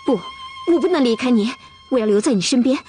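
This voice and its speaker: An actress voicing a headstrong, lovesick young Russian woman in a television costume drama. She keeps pressing her demand in a high, lively voice that climbs and dips a lot, with a music score swelling behind her. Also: quick pace, natural voice. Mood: earnest. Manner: insistent, repeats her pleas over and over. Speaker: Russian woman in love with a herder.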